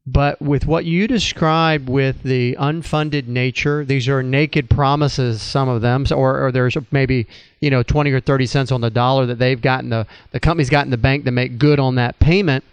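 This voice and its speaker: Male host, measured and thoughtful, crisp dry voice. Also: mid-range voice, steady tone, dry recording. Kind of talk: conversational interview on retirement finance.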